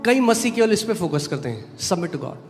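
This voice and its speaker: A man's voice: sits high, big pitch swings, moderate pace. A man preaching an emphatic sermon in a church hall, switching between Hindi and English. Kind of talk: sermon with interpreter. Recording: music bed, long hall reverb.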